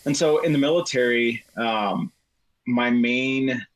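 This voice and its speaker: A man's voice: medium pitch, takes it slowly, low-quality recording. Rambling, hesitant middle-aged man. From United States. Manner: rambling, hesitant, many fillers. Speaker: guest. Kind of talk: casual chat.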